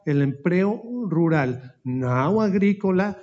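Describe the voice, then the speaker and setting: A man with a Spanish accent presents slides slowly and haltingly, often stopping to search for words. His voice sits a little high for a man. The audio is dull and lo-fi. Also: expressive, a little mellow. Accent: Spanish-speaking, mixing Spanish into Portuguese. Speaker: speaker at an anniversary event.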